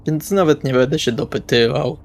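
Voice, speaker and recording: A man's voice: fairly high pitch, normal speed. A man playing a tabletop role-playing game, improvising dialogue in a casual, wry, colloquial way. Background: music.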